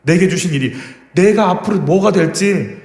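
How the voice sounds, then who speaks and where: A man's voice: expressive, normal speed. A man preaching a sermon as pastor, talking in a conversational way and asking the congregation questions. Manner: acts out quoted voices with sharp drops in pitch and volume. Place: church sanctuary, echoey. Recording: echoey hall with long reverb.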